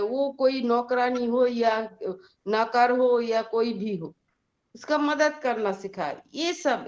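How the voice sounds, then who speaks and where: A woman telling a moral story to a team meeting in a slow, plain way with restarts. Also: fairly high pitch, darkish tone, highs cut off.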